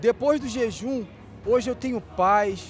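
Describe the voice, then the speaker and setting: Background music can be heard throughout. Over it, a man talks fairly slowly. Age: 40s. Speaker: air force officer giving church testimony. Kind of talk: testimony.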